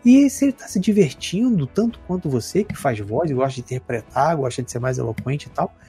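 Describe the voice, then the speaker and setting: Man, Brazilian accent, casual podcast co-host, very husky, slangy and relaxed. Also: fairly high pitch, a little fast, soft background music. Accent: Brazilian Portuguese. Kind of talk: casual chat about tabletop games.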